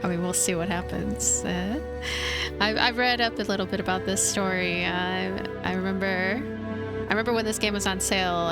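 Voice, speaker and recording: Girl streamer reading a visual novel out loud, chatty n informal, normal pitch, game music going behind her. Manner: informal, conversational. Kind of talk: reading game narration aloud, casual commentary.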